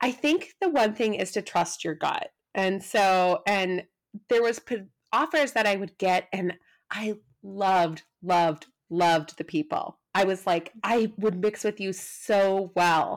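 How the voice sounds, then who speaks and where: Speaking with an American accent at a fairly slow pace, a woman uses a medium pitch with ordinary variation on a very clean recording with a silent background. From US Midwest, Wisconsin. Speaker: speech-language pathology professor. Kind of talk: casual interview.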